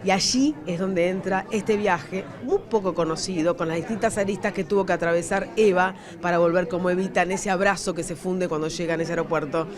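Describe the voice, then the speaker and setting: An Argentine woman answering an interview like a speech, emphatic and listing points deliberately. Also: lowish voice. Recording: busy crowd behind.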